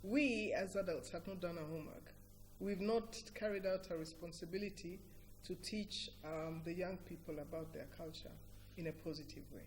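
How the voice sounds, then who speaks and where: A woman's voice: on the low side, moderate pace, a little mellow. Ugandan woman explaining emphatically, noisy recording. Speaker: interview guest, cultural organisation director. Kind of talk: earnest explanatory interview talk. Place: TV breakfast show interview.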